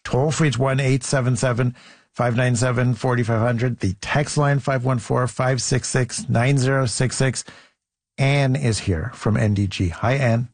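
A man hosting a radio call-in show, moving briskly between callers. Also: mid-range voice, fairly even intonation, no room sound. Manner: brisk, reads numbers out. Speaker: radio host.

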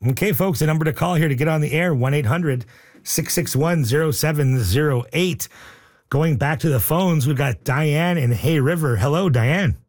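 A man hosting a radio call-in show, upbeat and joking, reading out the phone number slowly. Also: on the high side, darkish tone. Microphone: studio microphone.

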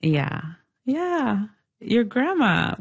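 A woman hosting an interview, asking gentle and probing questions. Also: fairly high pitch, very animated, drawn-out words, gravelly, slightly rough. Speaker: host.

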